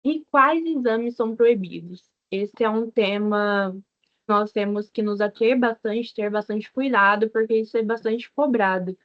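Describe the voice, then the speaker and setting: A young Brazilian woman teaching a law review class, her voice a bit high. She explains things patiently and pauses often with small fillers. The recording sounds dull and lo-fi. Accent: Brazilian Portuguese. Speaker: teaching assistant.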